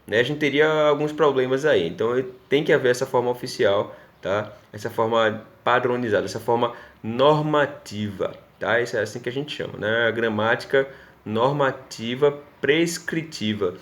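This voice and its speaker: Teaching a recorded lesson at normal speed and medium pitch, this male instructor carries a Pernambuco Brazilian Portuguese accent from Northeast Brazil. He moves step by step and often pauses to check on his students.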